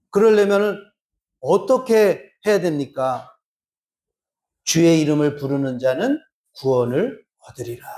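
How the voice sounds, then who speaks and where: Slow-preaching pastor, high voice. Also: male voice, a little mellow. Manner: slow, drawn-out preaching with acted-out dialogue. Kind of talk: sermon. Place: church sanctuary.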